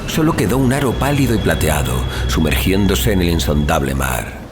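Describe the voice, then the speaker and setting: A man's voice: sits low, lively intonation, moderate pace. A man reading a literary horror story as a narrator, in a solemn, suspenseful, dramatic style. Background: music.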